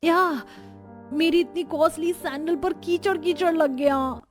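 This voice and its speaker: A snobbish rich young bride with a shrill, whiny edge, as a woman puts her on. She pitches well above a normal voice and drops English words as she talks. Soft music sits underneath. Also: steady tone, a little slow. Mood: haughty.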